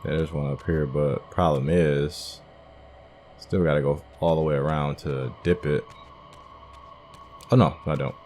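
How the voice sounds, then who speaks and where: A man's voice: rumbling low, fairly even intonation, measured pace, pauses often, darkish tone, a little hiss or hum. A man giving casual, unscripted commentary on a video game, thinking aloud and muttering to himself as he plays. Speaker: gamer, video game playthrough host.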